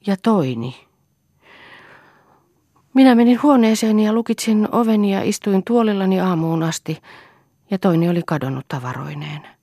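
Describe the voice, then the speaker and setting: A woman voicing a distraught middle-aged man who speaks quietly and haltingly, in an audiobook. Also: medium pitch, animated, dry recording, studio quality, pitched above the performer's own voice. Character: shaken middle-aged man confessing in a hushed voice.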